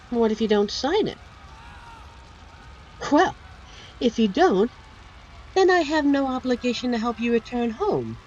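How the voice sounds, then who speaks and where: A woman's voice: on the high side, a little mellow, muffled recording, slight background noise. A woman voicing a seductive, teasing female demon in a scripted ASMR roleplay, speaking with a coy, condescending, theatrical manner. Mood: possessive, coy.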